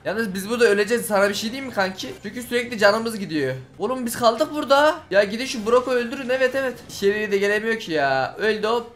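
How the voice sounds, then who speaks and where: This young gaming-channel host sits high in pitch and gives excited commentary on his gameplay. He talks rapidly, repeats phrases, and shouts at the game.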